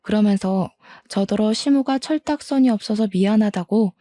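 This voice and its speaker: Female storyteller, scripted first-person narration, dry close sound, mellow tone. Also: medium pitch, moderate pace, no room sound.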